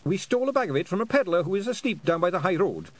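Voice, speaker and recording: A man's voice: sits high, sing-song, rapid-fire, voice pushed up. A man voicing a worried, bearded pixie chief with a hesitant Scottish brogue. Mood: uneasy.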